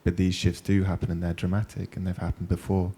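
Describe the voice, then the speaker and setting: A man's voice: low voice, monotone, fast, warm tone, breathy edge. A man moderating a panel discussion, asking questions and telling anecdotes in a thoughtful, loosely phrased way. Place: panel event.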